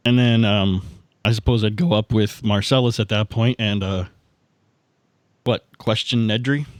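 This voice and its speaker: Lowish-voiced man playing a tabletop game. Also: fairly even intonation, no echo, studio quality. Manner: halting, repeats words. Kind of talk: casual game-table talk.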